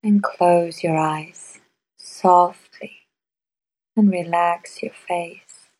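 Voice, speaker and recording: Slow, soft-spoken woman guiding meditation. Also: lowish voice, fairly even intonation, rough recording. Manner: soft, slow, measured with long pauses. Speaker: meditation guide. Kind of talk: guided meditation.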